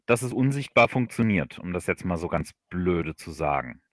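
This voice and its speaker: Halting, low-voiced man explaining. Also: animated, a bit bright, no room sound, studio quality. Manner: halting, explanatory, repeats words and phrases. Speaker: guest audio drama writer. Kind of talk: casual interview chat on a livestream.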